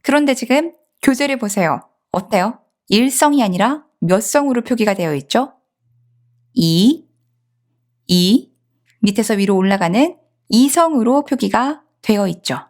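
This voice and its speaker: A woman with a slightly high voice gives a patient online language lesson. She explains step by step and keeps asking the listener questions. She drawls the example words out slowly. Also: expressive, darkish tone. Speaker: Chinese teacher.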